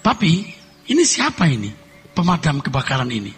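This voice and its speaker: Preacher guy doing a nosy suspicious wife, high and bright, poking at her husband, echoey hall. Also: huge pitch swings, a little fast, husky, faint music behind, heavily acted. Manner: prodding, questioning.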